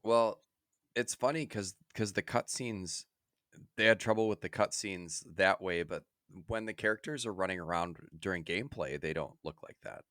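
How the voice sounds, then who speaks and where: A man's voice: low-pitched, normal speed, a bit bright, no room sound, studio quality. A man co-hosting a podcast, casually discussing video games in a rambling way that often drifts from his thread. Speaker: podcast co-host.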